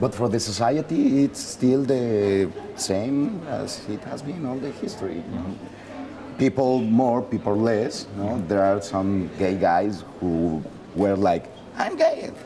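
Against noticeable background noise, a man talks at a fairly slow pace with lively intonation. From Mexico. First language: Spanish. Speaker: film actor. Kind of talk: casual interview. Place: hall.

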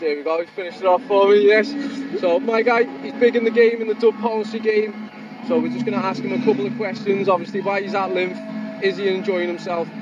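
Clear music plays behind a man talking at a very fast pace. The sound itself is dry with no echo. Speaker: radio presenter. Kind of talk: radio interview host.

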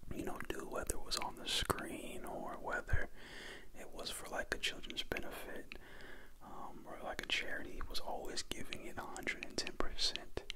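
The man is whispering at a moderate pace. His volume rises and falls in big swings. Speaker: ASMR creator. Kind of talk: ASMR whisper ramble, casual talk. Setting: close-mic recorder. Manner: whispered, close-mic. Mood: somber, mournful. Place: home room. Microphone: studio mic.

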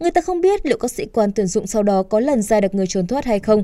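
Very fast delivery is paired with lively intonation. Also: woman. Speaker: news presenter. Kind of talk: news reading.

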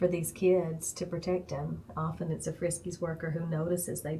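Over light background noise, a woman speaks at a moderate pace in a flat monotone, her fairly low voice dark, mellow and somewhat breathy. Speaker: interview guest. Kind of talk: interview answer. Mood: serious, earnest. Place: studio.

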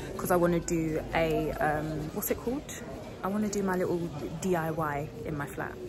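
A woman at a fairly slow pace, amid loud background noise. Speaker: vlogger. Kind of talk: casual vlog chat. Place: shop. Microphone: phone near.

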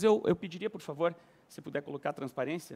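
The speaker has a Paraná accent. Pitch varies in an ordinary way. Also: man. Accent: Paraná accent, noticeable. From Paraná, southern Brazil. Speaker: labor law researcher, conference speaker; conference speaker. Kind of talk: conference talk. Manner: formal, with frequent filler hesitations. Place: hall. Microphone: podium.

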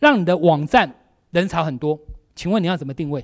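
Against a quiet background, a man speaks with a Taiwanese accent. His tone is animated. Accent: Taiwanese Mandarin. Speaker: motivational speaker. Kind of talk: seminar lecture to live audience. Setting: stage with audience. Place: stage. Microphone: handheld.

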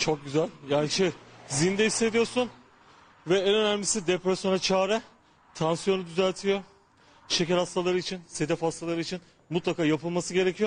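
Pausing long and often, a man with a high pitch talks at a moderate pace with fairly even intonation. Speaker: winter swimmer; interviewee. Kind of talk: interview. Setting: outdoors. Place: waterside. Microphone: handheld.

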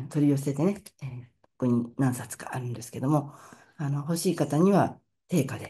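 A woman's very deep, low voice, somewhat breathy, with a dark, mellow tone, ordinary pitch variation, big swings in loudness and a moderate pace. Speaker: session host showing her book. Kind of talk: casual talk on a video call. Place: home room. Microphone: webcam.

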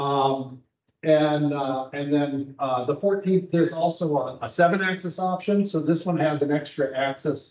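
A man is speaking with ordinary pitch variation. Audible room echo surrounds his voice. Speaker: presenter. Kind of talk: technical presentation. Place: classroom. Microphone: camera far.

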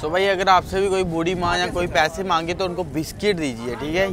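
A man with a high pitch talks at a moderate pace with ordinary pitch variation, the sound dry with no echo against noticeable background noise. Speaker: travel vlogger. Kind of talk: casual vlog chat. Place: train. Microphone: phone near.

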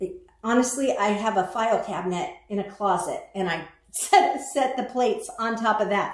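A woman with an American accent, amid noticeable background noise and audible room echo. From Arizona. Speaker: home crafts video host. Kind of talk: tutorial. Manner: casual, with frequent fillers.

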